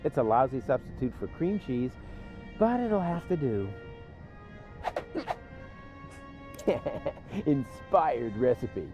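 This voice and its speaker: A man's voice: mid-range voice, very animated, measured pace, mellow, muffled recording, faint music behind. A man playing a cocky, scheming, whiny adventurer in a video game, theatrical and sarcastic.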